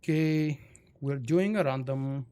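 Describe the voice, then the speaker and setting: A man's voice: medium pitch, slow, dark tone, smooth. A man from Bulgaria with a Bulgarian accent, casually chatting with viewers while streaming a game. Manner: chatty, reads and answers viewer chat. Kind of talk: casual live-stream chat.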